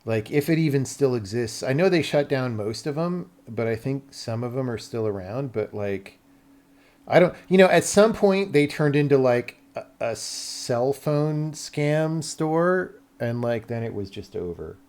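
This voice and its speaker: A man's voice: medium pitch, lively intonation, measured pace, darkish tone. An American man chatting casually on a livestream, explaining tech and thinking aloud in an informal, rambling way. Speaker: live streamer.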